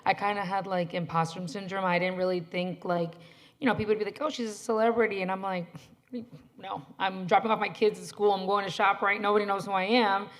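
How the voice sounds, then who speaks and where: A woman in her thirties with a deep, raspy voice, speaking in an easygoing, frank way as a guest on a convention panel. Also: steady tone, a little fast. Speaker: voice actor guest, parent. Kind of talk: casual panel chat.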